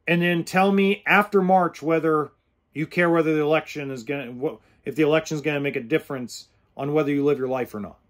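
A man's voice: a little high, fairly even intonation, fairly quick. A man in his forties hosting a podcast, talking straight to the camera in a blunt, earnest way into a close studio mic indoors. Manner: blunt, earnest straight talk with hand gestures. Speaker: podcast host. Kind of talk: casual direct-to-camera talk. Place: indoors in an RV or home kitchen. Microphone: studio mic with pop filter close in front.

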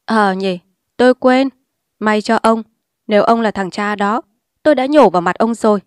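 A woman's voice: mid-range voice, moderate pace, dry recording, studio quality, close to an everyday voice. Woman voicing a bitter, scornful young woman. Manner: blunt, scornful and sharp-tongued. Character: bitter defiant young woman, streetwise and mocking.

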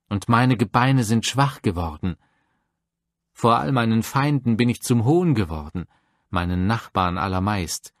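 A man reading psalms aloud for a Bible audiobook, measured and reverent. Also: lowish voice, no echo, clean studio sound. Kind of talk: solemn scripture reading.

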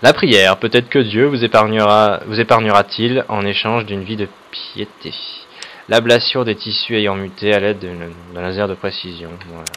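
A man with a fairly low voice gives casual let's play commentary. He reads the game's choices aloud, then hesitates and pauses over his own choices, dropping in little jokes. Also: steady tone, a bit bright, slight background noise. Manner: reads on-screen options aloud, hesitant with many fillers, joking asides.

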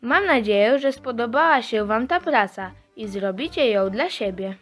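A woman's voice: on the high side, lively intonation, normal speed, soft background music. A woman narrating a step-by-step craft tutorial for children as the presenter.

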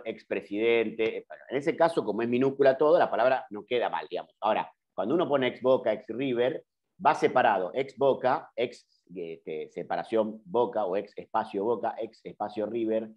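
A man's voice: lowish voice, normal speed. Argentine man teaching over a lo-fi call. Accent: Argentine Spanish. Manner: explains patiently, corrects himself with "perdón", frequent "eh" fillers. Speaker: journalism teacher. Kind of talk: online class explanation. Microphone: computer mic on video call. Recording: dull lo-fi video call audio.

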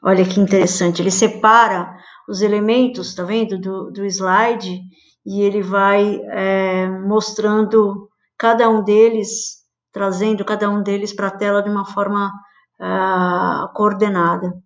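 A middle-aged woman walks through a screen-share lesson in a loose, chatty way, filling pauses with little asides. Her voice sits at an ordinary pitch for a woman. The webcam audio sounds a bit dull and lo-fi. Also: little pitch movement. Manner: chatty, many fillers and pet phrases. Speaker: design instructor. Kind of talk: casual screen-share tutorial. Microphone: webcam video call.

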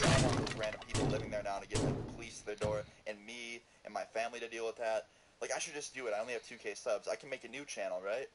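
A young man telling a casual, profane storytime about an online stalker, fast and animated. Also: fairly low pitch. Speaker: YouTuber. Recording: loud background noise.

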